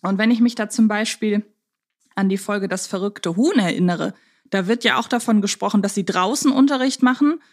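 A woman co-hosting a podcast in a casual conversational style, talking in a measured, reflective way as she thinks her points through. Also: mid-range voice. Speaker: podcast co-host.

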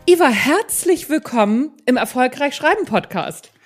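A woman's voice: sits high, lively intonation, normal speed, slightly rough, soft background music. A woman hosting a podcast, talking in an enthusiastic, informal way as she introduces and interviews.

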